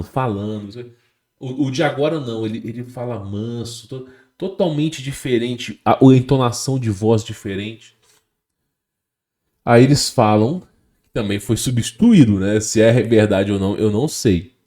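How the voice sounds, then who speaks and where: A Brazilian man talks to his audience in a loose, rambling monologue, with a mellow, dark tone in a middle pitch. He often stumbles and repeats words before finishing a thought. He musingly builds up his theories, checking in with his listeners as he goes. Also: moderate pace. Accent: Brazilian Portuguese. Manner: hesitant, repeats words, frequent "tá?" tag questions. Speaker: channel host. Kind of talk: casual monologue to camera.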